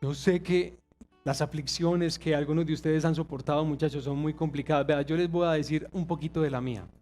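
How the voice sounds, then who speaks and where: Man, thirties, pastor, earnest sermon, slightly high voice, faint guitar behind. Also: fairly even intonation, a little fast, darkish tone. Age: 30s. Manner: earnest, confessional, acts out quoted voices.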